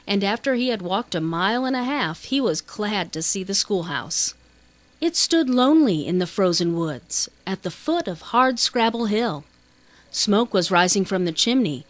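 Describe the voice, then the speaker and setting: Female audiobook narrator, mid-pitched voice, scripted storybook read, close dry sound. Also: no room sound.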